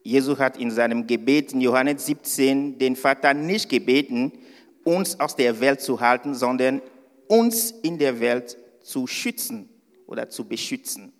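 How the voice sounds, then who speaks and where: A male guest preacher delivers his sermon at an unhurried, deliberate pace, pausing often on fillers and restarting phrases. He sounds a little nervous. His voice carries a long reverb, as in a church hall. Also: mid-range voice. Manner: hesitant, with many fillers and restarts. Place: church service.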